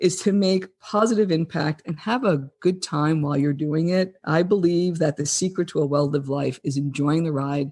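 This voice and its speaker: A woman speaks in a New Jersey accent with lively intonation. The recording is very clean, the background silent. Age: 50s. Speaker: wellness coach, former corporate executive. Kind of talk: interview. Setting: podcast interview.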